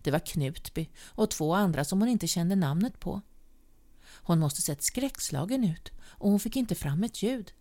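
A woman reading a short story aloud as narrator, measured and at times sinking to a whisper. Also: on the low side, lively intonation, mellow. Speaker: audiobook reader.

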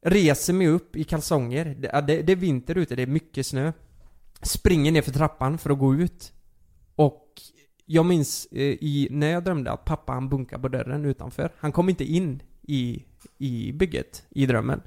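A young man casually telling a story on a podcast, animated, with many fillers and curses. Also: fairly high pitch.

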